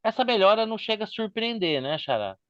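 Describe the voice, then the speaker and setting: A man's voice: high-pitched, big pitch swings, fast, dry recording, dull audio. A man hosting a panel discussion, asking leading questions with many hesitant restarts. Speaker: host.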